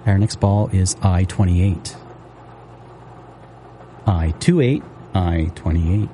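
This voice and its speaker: A man calling bingo numbers on local radio, repeating each one slowly and steadily. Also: sits low, dark tone, slight background noise.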